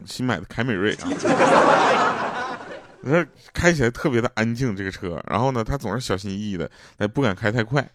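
A man's voice: medium pitch, lively intonation, normal speed, very noisy. Chuckling man. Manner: chatty, laughs at his own jokes, puts on voices for quotes. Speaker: comic storyteller. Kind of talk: casual joke-telling monologue.

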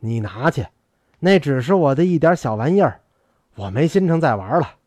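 A man reading aloud and voicing a weary, gentle old male scholar who talks softly and earnestly in an audiobook. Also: a little high, expressive, normal speed, no echo. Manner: soft-spoken, earnest pleading. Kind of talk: audiobook character voice.

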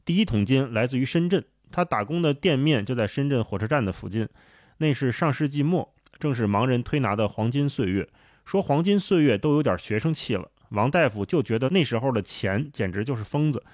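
Relaxed man, dry close sound. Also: mid-range voice, a little fast, no echo. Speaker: podcast co-host. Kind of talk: casual book discussion and passage reading.

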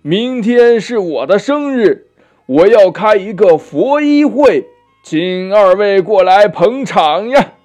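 A man's voice: high voice, lively intonation, darkish tone, soft background music, voice pushed up. A man doing a gloating black demon king. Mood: boastful. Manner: slow, mocking laughter.

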